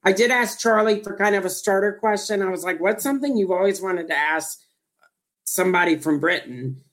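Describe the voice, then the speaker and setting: A woman with a Southern US accent, hosting a casual chat show and telling a lively story. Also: mid-range voice, fairly quick. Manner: animated storyteller acting out quoted dialogue. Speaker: podcast host.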